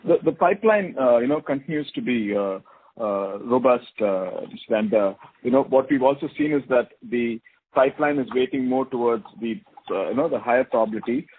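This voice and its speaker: A man answering analyst questions as a company executive on an earnings call, with halting, filler-heavy phrasing. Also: medium pitch, lively intonation. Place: telephone conference call. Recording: noisy narrowband phone conference line.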